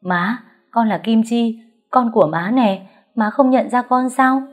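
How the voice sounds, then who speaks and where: A woman's voice: medium pitch, moderate pace, a little mellow, breathy edge, voice pushed up. A woman reader voicing a distraught young woman pleading with her mother through tears. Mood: tearful. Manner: tearful pleading.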